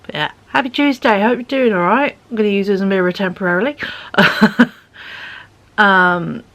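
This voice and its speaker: Speaking into a phone held at arm's length at home, a woman vlogs in a rambling, chatty monologue full of fillers, sometimes dropping to a whisper. Her mid-range voice is fairly bright, her pace moderate, yet she sounds tired.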